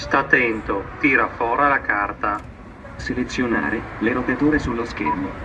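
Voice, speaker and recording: Over noticeable background noise, a man speaks at medium pitch and a fairly slow pace with ordinary pitch variation. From Treviso, Italy. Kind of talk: automated fuel pump voice prompts. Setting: outdoors, petrol station pump speaker.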